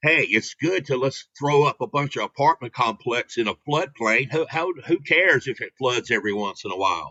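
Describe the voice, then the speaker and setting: In a strong Southern US accent, a man speaks with an animated tone, lively intonation, and a fairly high pitch. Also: hardly any pauses. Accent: strong Southern drawl. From US South, eastern North Carolina. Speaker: political activist and author. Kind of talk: casual chat.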